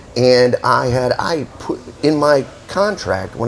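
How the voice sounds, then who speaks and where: A man speaks with an American accent. Noticeable background noise runs underneath. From Upstate New York. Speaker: military veteran and retiree. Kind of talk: casual interview chat.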